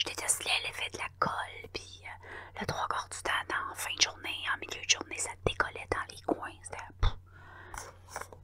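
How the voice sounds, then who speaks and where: Whispering at a fairly slow pace, a woman speaks. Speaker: beauty vlogger. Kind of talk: casual vlog chat. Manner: soft, close-mic ASMR speech. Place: home room. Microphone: studio mic.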